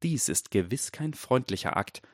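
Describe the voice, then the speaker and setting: A man reading the part of a cold, silky-voiced, white-haired aristocratic older man who speaks in a measured, menacing way. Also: medium pitch, animated, no echo, studio quality, pitched above the performer's own voice, lightly acted. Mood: icy.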